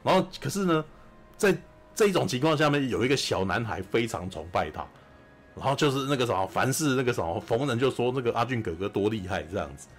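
A man with a Taiwanese Mandarin accent, hosting a podcast and telling a film's story in an animated, chatty way, often asking "you know?". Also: medium pitch, fast, soft background music. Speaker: podcast host. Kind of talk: casual film recap chat.

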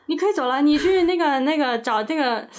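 A man's voice: very high-pitched, lively intonation, fairly quick, voice pushed up. A woman quoting a breezy, offhand middle-aged male dentist who brushes off her fears. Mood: nonchalant. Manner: casual, dismissive reassurance.

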